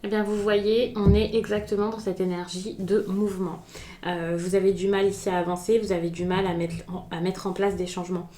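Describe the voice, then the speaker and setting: Woman doing a tarot reading, chatty and halting, lots of uh's, roomy echo. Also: medium pitch, flat delivery, dark tone, slight background noise. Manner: chatty, many hesitations and restarts. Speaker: tarot reader. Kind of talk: spontaneous tarot reading to camera.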